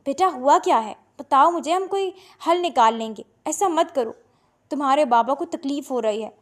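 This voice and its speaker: Woman reading a strict dad, anguished and harsh, pretty high voice. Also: natural voice. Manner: pleading then harsh, sarcastic. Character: anguished stern middle-aged father.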